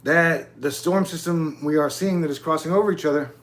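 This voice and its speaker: A man in his forties, his voice on the high side and a little fast, hosts his own YouTube channel. He delivers a loose, rambling, digressive monologue, swearing casually now and then.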